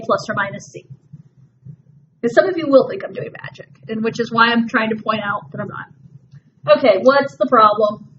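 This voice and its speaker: A woman teaching a math class, talking patiently through each step and reassuring students it is not magic. Her voice sits a little high. The recording is dull and lo-fi, with a faint hiss behind her. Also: fairly bright tone. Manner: patient, reassuring, walks through steps aloud. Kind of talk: classroom lesson.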